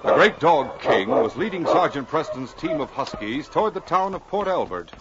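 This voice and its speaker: A man's voice: a little high, very animated, normal speed. A man announcing and narrating dramatically and emphatically in 1940s radio style. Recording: dull, noisy old radio recording.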